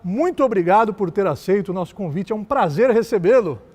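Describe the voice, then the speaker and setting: A man's voice: high voice, animated, fairly quick, darkish tone, slightly rough. A man hosting a televised talk show on a theater stage, interviewing a guest in an effusive, upbeat way.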